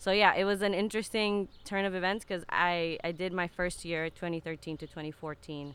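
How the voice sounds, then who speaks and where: In a Spanish accent, a woman speaks at a moderate pace with fairly even intonation and hardly any pauses. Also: fairly low pitch for a woman. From Honduras. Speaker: youth minister. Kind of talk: casual interview.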